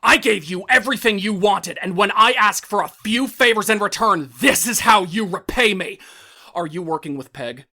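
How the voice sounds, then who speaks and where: A man's voice: high voice, moderate pace, sharp tone, full character voice. Casting: male actor as ruthless loan shark for audio drama, smugly cruel, condescending false courtesy that flips to menace. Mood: furious, scornful. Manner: mock-courteous and condescending, erupting into menacing outbursts.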